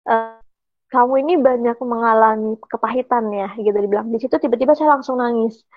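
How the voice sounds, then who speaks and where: A young woman shares her personal testimony, halting and emotional, pausing often with fillers. Her voice sits fairly high. The recording is dry and a little dull. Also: steady tone, dry recording. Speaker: testimony giver.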